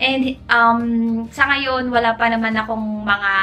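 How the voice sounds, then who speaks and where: Faint background music beneath a woman speaking. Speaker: vlogger. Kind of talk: casual vlog chat. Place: home room. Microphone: phone near.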